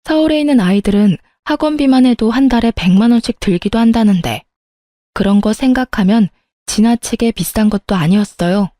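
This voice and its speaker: A woman telling a first-person true story in a calm, steady way. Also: on the high side, brisk, dry recording, clean studio sound. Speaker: narrator.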